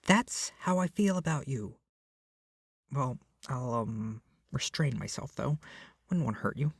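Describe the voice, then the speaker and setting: Man acting a breathy, doting lovestruck yandere kidnapper. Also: medium pitch, expressive, measured pace, no room sound, studio quality, exaggerated voice. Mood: adoring, gushing. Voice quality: soft, breathy, often dropping to a whisper. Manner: gushing, earnest, coaxing, awkwardly sweet. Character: lovestruck, doting young male yandere kidnapper, clingy and tender. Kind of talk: ASMR roleplay, intimate second-person acting. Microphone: close microphone, dry.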